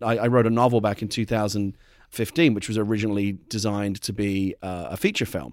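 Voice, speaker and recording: This man has a British accent. His recording is very clean, and the background is silent. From UK. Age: 40s. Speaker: screenwriter. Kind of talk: casual interview. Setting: studio-like venue in San Francisco, in person.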